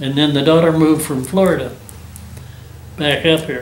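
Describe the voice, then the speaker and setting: Noticeable background noise accompanies a man talking at a moderate pace. His pitch is fairly high. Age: 80s+. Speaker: war veteran, retired lawn care worker. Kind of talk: interview answer.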